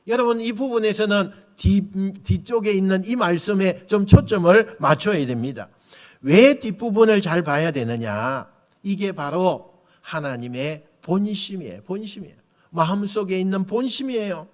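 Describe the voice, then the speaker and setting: A man preaching a Sunday sermon as pastor, emphatic and rising loud on key lines, voicing quoted speech. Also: high-pitched, expressive, normal speed. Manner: voices God, Moses and the people in quoted speech.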